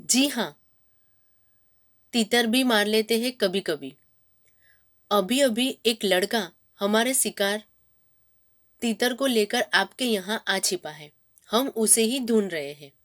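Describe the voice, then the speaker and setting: A woman's voice: on the high side, takes it slowly, long pauses, fairly bright tone. A woman teacher voicing polite male hunters who answer a colonel respectfully. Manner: deferential and respectful.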